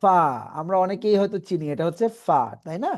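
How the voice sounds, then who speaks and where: Mellow-voiced man teaching letter sounds. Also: high-pitched, fairly even intonation. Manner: patient, repeats letter sounds slowly for students. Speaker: Quran reading teacher. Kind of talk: online class instruction.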